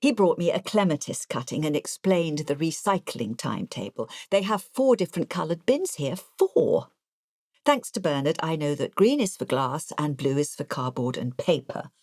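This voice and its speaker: A chatty, low-voiced elderly Englishwoman. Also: sing-song, moderate pace, a little mellow, dry recording, clean studio sound. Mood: confiding, digressive. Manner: confiding, digressive, matter-of-fact. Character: chatty, artless elderly retired English nurse, diarist. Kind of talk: audiobook first-person narration.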